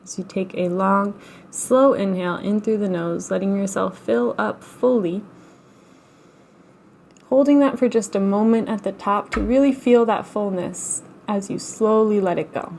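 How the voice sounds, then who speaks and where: A woman with a mid-pitched voice guides a relaxation practice. She gives soft, patient instructions in short phrases, leaving generous pauses between them. Her delivery is soothing and never hurried. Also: gravelly, slight background noise. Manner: gentle, unhurried, soothing with long pauses. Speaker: guided relaxation and meditation teacher. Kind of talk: guided meditation, slow instruction.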